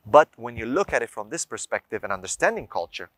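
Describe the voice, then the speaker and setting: A man's voice: mid-range voice, big pitch swings, fast talker, fairly bright tone, no room sound. A man giving an informal explanatory talk as a religious advice speaker, teaching emphatically with rhetorical questions and lists of examples. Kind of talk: informal explanatory lecture to viewers.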